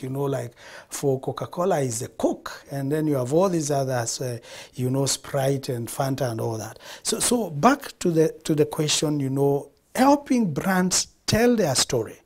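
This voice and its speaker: A middle-aged Kenyan man, a guest on a studio TV interview, speaking expansively and repeating phrases for emphasis. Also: fairly high pitch. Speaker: guest, founder of a production studio. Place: TV studio set.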